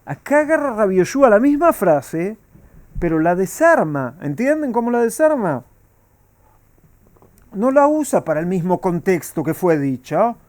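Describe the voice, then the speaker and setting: A man's voice: high voice, very animated, unhurried, a little mellow, dry recording. A man, a rabbi, teaching a Talmud class and asking his students rhetorical questions.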